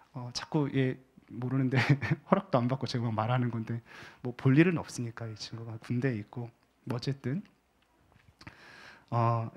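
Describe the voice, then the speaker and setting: A male pastor preaching a sermon in a church. He speaks in a conversational way, asks the congregation questions and drops to a hushed voice for emphasis. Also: medium pitch. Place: church sanctuary.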